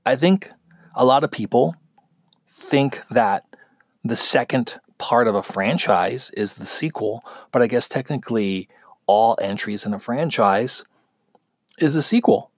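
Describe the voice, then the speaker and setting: A man's voice: mid-range voice, lively intonation, a little slow, dry recording, studio quality. A man giving a casual spoken film review, chatty and conversational, with frequent fillers and restarts.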